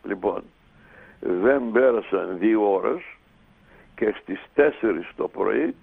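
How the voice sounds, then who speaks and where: A man telling a long anecdote as a radio guest, in a lively, unhurried way. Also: lowish voice. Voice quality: gravelly and husky. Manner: lively, animated retelling with many pauses. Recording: tinny phone line on radio.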